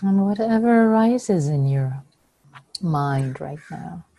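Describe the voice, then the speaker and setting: A woman with a low, mellow voice leads a guided meditation. Her delivery is very slow and soft, with long pauses. The tone is breathy and soothing, at times nearly whispered. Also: animated. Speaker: meditation teacher.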